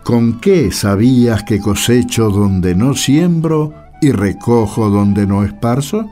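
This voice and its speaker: A man acting a slow, solemn, stern master. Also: medium pitch, dark tone, soft background music, lightly acted. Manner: solemn, deliberate, emphatic. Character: stern master rebuking a lazy servant, solemn parable reading. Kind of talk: religious radio theatre.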